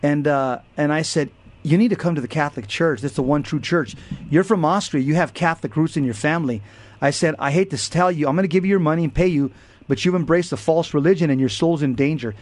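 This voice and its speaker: A man's voice: a little high, fast talker, a little mellow. A man co-hosting a Catholic radio talk show, telling stories and teaching in an earnest, emphatic way.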